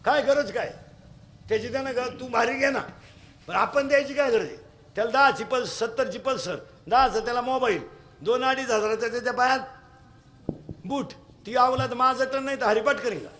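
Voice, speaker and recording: A man's voice: very high voice, fairly quick, a little hiss or hum. A man preaching a humorous devotional kirtan sermon, mocking and mimicking people as he talks. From Maharashtra. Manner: lively, mocking, mimics people in their own voices.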